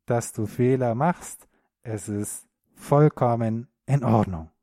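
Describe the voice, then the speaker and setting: A man hosting a podcast lesson for German learners, speaking slowly and clearly in an encouraging tone, often checking in with a quick question. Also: mid-range voice, dark tone, no echo, studio quality. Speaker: podcast host and German teacher.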